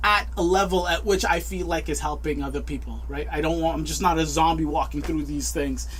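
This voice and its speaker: A man is speaking with audible room echo. Background noise is noticeable. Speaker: nurse and nursing news vlogger. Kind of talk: monologue vlog commentary. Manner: loud; halting with many fillers.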